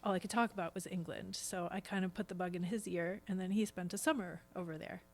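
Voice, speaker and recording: A woman's voice: on the low side, steady tone, fast. A woman talking as a guest on a podcast in a chatty, casual way, explaining things as she goes. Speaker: guest, stage actress. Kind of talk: casual podcast interview chat.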